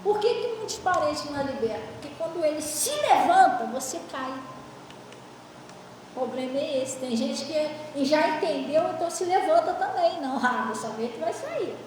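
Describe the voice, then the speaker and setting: A woman pastor preaching a storytelling sermon, animated and laughing, in a church. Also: high-pitched, moderate pace, noisy background. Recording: echoey church hall, mic far off.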